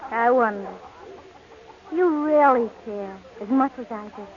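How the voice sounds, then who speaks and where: A woman's voice: on the high side, unhurried, muffled recording, close to an everyday voice. Actress as ardent young woman, noisy old radio. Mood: doubtful. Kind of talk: 1940s American radio drama acting.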